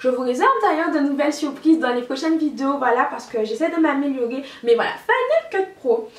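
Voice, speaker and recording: A woman's high voice with lively intonation over noticeable background noise. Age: 20s. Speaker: beauty youtuber. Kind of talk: casual vlog tag, unedited. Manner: very fast; mumbling, stumbling over words.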